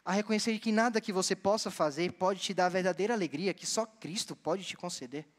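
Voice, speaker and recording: A young man from Bahia, Brazil, preaching a sermon as a seminarian and telling stories with lively delivery. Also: sits high, a little fast. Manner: storytelling, animated, addresses the congregation directly. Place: church hall. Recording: long church hall reverb.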